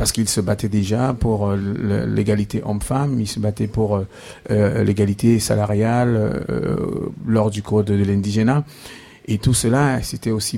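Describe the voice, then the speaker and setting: A fairly low-pitched man at a fairly slow pace with long, frequent pauses and ordinary pitch variation, over noticeable background noise. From Cameroon. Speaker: singer-songwriter. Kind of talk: radio interview.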